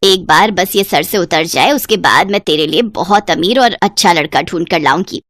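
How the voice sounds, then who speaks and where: A woman's voice: fairly low pitch, normal speed, fairly bright tone, no room sound, clean studio sound, voice pushed down. A woman voicing a harsh, scornful mother who taunts her daughter in a cartoon story. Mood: taunting.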